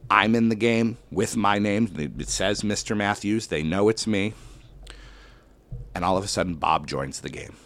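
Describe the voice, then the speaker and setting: A man, a schoolteacher, telling a personal story to an audience in an animated way, with sudden loud bursts and slow dramatic drops. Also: lowish voice. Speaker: elementary school teacher.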